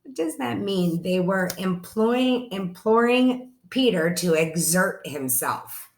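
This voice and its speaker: A woman reading a children's story aloud in an expressive, animated way, as if to young listeners. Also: medium pitch, takes it slowly. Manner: animated, explains words and asks listeners questions. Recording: echoey room.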